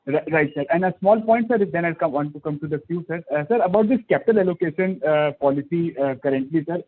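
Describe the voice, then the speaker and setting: A man with an Indian accent asking questions as an investor on a conference call, halting, stammering and deferential. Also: a little high. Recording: thin, narrow phone line.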